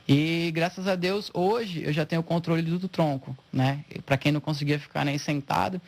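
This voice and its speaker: A man in his thirties, a spinal injury patient, telling his recovery story with animated quoted dialogue. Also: fairly high pitch, normal speed. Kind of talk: emotional personal storytelling.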